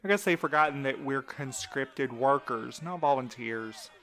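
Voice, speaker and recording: A man's voice: mid-range voice, measured pace, sharp tone. A man playing a weary, cynical night-shift worker in an audio drama, complaining with dry sarcasm. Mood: weary, exasperated. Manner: sardonic, complaining. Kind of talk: audio drama dialogue, conversational.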